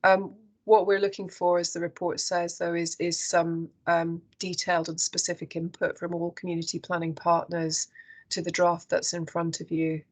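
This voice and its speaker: Croaky woman presenting a report. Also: lowish voice, flat delivery, moderate pace. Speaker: council officer presenting a report. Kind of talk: meeting report.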